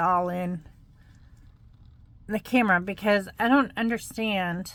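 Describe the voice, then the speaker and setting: A woman talks at a fairly slow pace with fairly even intonation. Her pitch is medium. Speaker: scrapbooking youtuber. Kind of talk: craft tutorial. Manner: halting.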